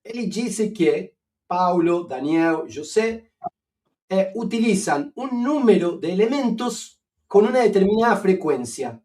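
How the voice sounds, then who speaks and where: Argentine guy talking philosophy in portuguese, kinda high voice, lots of "eh", mic a bit far off. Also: lively intonation, measured pace, darkish tone. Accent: Argentine Spanish. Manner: hesitant, many fillers and restarts, professorial. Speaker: philosopher guest. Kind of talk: academic conversation.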